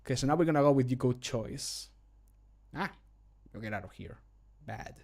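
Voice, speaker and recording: A man's voice: mid-range voice, normal speed, darkish tone. A man in his thirties, a native Spanish speaker, chatting casually and thinking aloud as he works on a livestream. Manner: self-deprecating, thinking aloud. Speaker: hobby modder and streamer recording voice lines. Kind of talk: casual livestream chat while working. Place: small home room, indoors.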